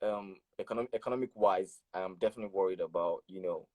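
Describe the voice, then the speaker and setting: A young man in his twenties with a very deep voice speaks in a casual chat with a friend. He talks deliberately and leans on his key words. The sound is dry and close. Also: darkish tone, no echo. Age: 20s. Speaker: PhD student guest. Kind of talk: casual conversation.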